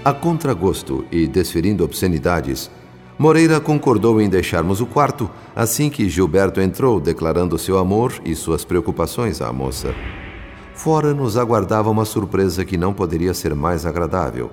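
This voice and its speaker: A man narrating a radio drama in the role of a solemn spirit witness, in measured, literary phrasing. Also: low-pitched, big pitch swings, a little mellow. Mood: solemn, tender. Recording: long hall reverb, faint music behind.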